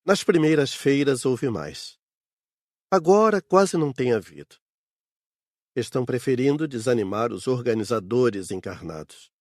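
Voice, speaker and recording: A man's voice: mid-range voice, expressive, unhurried, a little mellow, no echo, natural voice. Here is a man acting a steadfast spirit worker in an audiobook. The intonation swings widely while staying assured, like someone recounting past events. The recording is very dry. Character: adult male spirit worker defending the book fair, steadfast. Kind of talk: scripted audiobook dialogue.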